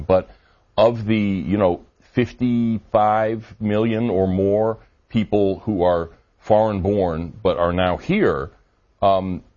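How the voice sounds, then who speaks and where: Deep-voiced man, measured interview guest. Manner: measured, hedging with fillers. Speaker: think tank director, guest. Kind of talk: interview answers. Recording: dull lo-fi broadcast audio.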